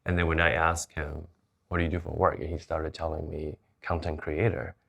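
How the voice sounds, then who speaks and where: A man's voice: rumbling low, level tone, normal speed, vocal fry, fairly bright tone. A man from Taiwan who moved to Chicago, talking candidly and conversationally as an interview guest.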